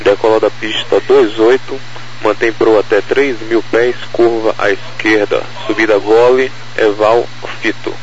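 A man reading aviation clearances in a procedural, monotone way over radio. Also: on the low side, a little slow. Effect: radio transmission. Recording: dull, faintly noisy aviation radio.

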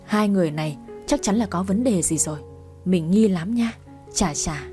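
A woman's voice: medium pitch, moderate pace, dark tone, faint music behind, lightly acted. A woman voicing a young, outspoken female coworker who loves to gossip. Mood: gossipy. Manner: gossipy, blunt, chatty.

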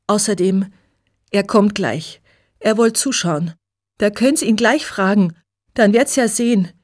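A woman's voice: a little slow, darkish tone, dry recording, studio quality, natural voice. Woman voicing a distraught girl. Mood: pleading. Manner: pleading, rises high when upset. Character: distraught young Viennese woman, emotional.

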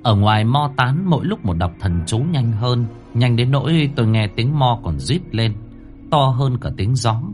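A man's voice: medium pitch, lively intonation, moderate pace. A man narrating a horror story in a dramatic, suspenseful manner. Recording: faint music bed under the voice.

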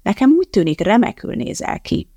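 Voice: big pitch swings, warm tone. A reader doing a suspicious, vain secretary. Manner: high, indignant and insistent.

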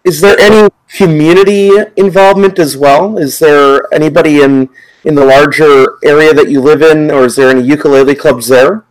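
A man hosts an interview with a fairly high voice. He asks long, rambling questions and hesitates as he goes. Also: steady tone, moderate pace, rough recording.

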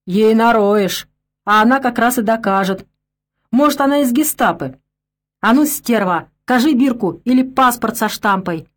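Drunk coarse peasant man, snarling and bitter, rough country talk, storybook voice, put on by a woman narrator. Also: on the high side, lively intonation, moderate pace. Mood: menacing.

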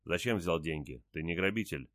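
A man reading the lines of an anxious young village woman in a soft, hushed, questioning voice. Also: sits low, lively intonation, moderate pace, no echo, studio quality.

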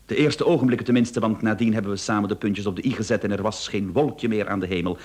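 A husky, fairly low-voiced man a nervous husband in a radio drama. He is polite and evasive, speaking haltingly as he tries to sound calm. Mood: explaining, hesitant. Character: nervous, evasive husband feigning calm under police questioning. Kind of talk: radio play acting.

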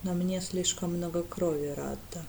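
A woman voicing a gloomy, reserved male priest who speaks coldly and evenly in a lowered voice. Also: fairly even intonation, creaky, a little mellow, a little hiss or hum. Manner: cold, measured, low-voiced.

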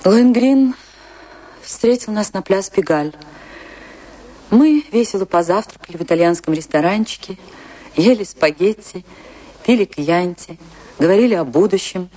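Actress as slow, husky, wistful woman dancer. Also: mid-range voice, dark tone, natural voice. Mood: anguished. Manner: theatrical, wistful, emotive delivery with dramatic pauses. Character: famous woman dancer recalling her tragic love, romantic, anguished. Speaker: actress narrating a radio play. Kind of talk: dramatic first-person radio play monologue. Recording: radio play with music behind.

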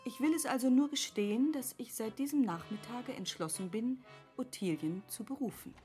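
Woman acting genteel lady of the manor, fairly high voice, composed, resolute, formal, faint music behind. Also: lightly acted. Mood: composed, confiding. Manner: measured, formal, articulate. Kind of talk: classic German radio drama acting.

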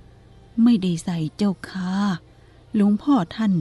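A woman voicing a humble, deferential elderly female country cook in a storybook reading, slow and polite. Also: mid-range voice, steady tone, warm tone, slightly rough. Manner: deferential, polite and self-effacing.

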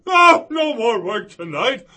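A woman voicing a jolly, fat old male merchant who booms and laughs between his words. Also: big pitch swings, slow pace, pushed and bright, exaggerated voice. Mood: jovial. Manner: booming and laughing between phrases. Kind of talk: storybook reading.

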